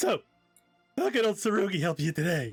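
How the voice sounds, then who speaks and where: A put-on character voice speaks at a middle pitch and a fairly quick pace. Faint music plays in the background. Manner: jovial, slurred.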